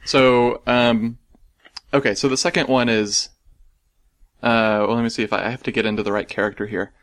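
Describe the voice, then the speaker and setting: A man's voice: mid-range voice, flat delivery, normal speed. An American man hosting a casual podcast, rambling and self-deprecating, laughing often. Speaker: podcast host.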